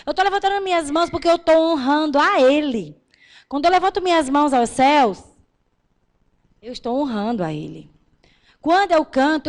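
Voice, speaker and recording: A woman pastor delivering a fervent sermon in a high, bright voice. She speaks straight to the congregation, building to loud emphatic declarations, then dropping to soft, tender lines. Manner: addresses the congregation directly.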